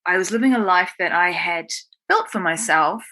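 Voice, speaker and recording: A woman's voice: on the low side, moderate pace, pushed and bright. A woman with a New Zealand accent, telling her own story conversationally as an interview guest. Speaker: guest, writer.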